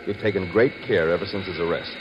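An actor playing a composed, authoritative security police chief in a 1950s radio drama, brisk and matter-of-fact. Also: male voice, low-pitched, lightly acted. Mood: calm, explanatory. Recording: dull, noisy 1950s radio recording.

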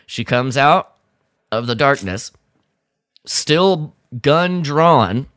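A man with a very lively, swinging pitch tells a story in a casual, joking way. He sounds like a podcast co-host recapping a plot, recorded close and dry. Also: very slow, dry recording. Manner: jokey, acts out dialogue in mock voices.

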